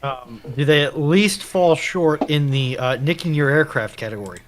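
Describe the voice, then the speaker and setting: A man joining in casual banter with deadpan jokes, recorded with faint noise and clicks. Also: a little high, normal speed.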